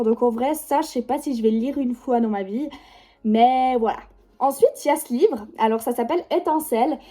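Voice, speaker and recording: A woman's voice: high-pitched, warm tone. Chatty young Swiss French woman. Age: young adult, about 18. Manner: rambling, heavy with fillers like genre and du coup. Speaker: book vlogger. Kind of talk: casual chat showing her reading pile. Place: at home by her bookshelf.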